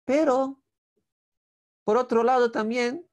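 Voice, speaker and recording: A man's voice: very high voice, fairly even intonation, slow pace, a little mellow, pitched above the performer's own voice. A man whose first language is Portuguese voicing a poor, simple peasant man who pleads with God in a plaintive, earnest way. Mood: lamenting.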